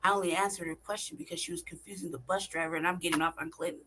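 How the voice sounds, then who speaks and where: A woman's voice: on the low side, fairly even intonation, racing, pushed and bright, a little hiss or hum. A woman from California talking in a casual monologue, swearing often, stressing her points and asking rhetorical questions. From California, United States. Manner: profane, emphatic, rhetorical questions. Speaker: vlogger.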